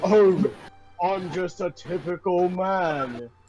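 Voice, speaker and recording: Over faint music in the background, a put-on character voice at middle pitch moves at a very slow pace. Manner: plain, typical.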